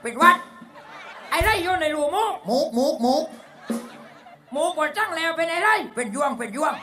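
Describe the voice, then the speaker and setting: A man's voice: very high voice, expressive, some chatter behind, a little hiss or hum, exaggerated voice. A man doing a rowdy, crude village clown with a Southern Thai accent. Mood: boisterous. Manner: shouting, laughing, rapid-fire guessing. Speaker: shadow-puppet performer. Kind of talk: live shadow-puppet comedy. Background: live folk music band.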